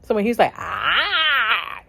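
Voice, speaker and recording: A woman's voice: very deep voice, normal speed, darkish tone, breathy edge. A woman chatting casually in a vlog, laughing often and acting out bits of her story. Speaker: vlogger.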